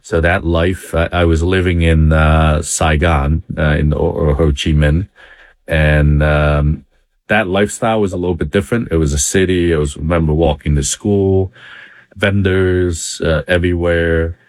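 A man's voice: low-pitched, steady tone, moderate pace, no room sound, studio quality. A man from Vietnam telling his life story in a casual interview, talking in a loose, conversational way with many fillers. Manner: conversational, many fillers, chuckles now and then. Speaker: interview guest, business owner.

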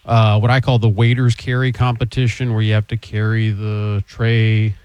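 A man's voice: on the low side, level tone, moderate pace, a little mellow, clean tone, no echo, muffled recording. A man hosting a radio call-in show, easygoing and teasing with his cohosts. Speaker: radio show host, attorney. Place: radio studio.

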